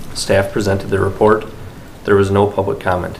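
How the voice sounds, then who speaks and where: Light background noise accompanies a man with an American accent who speaks at a fairly quick pace in a fairly low, monotone, flat voice. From US Midwest. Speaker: county planning staff. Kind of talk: formal staff report. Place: meeting room. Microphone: podium.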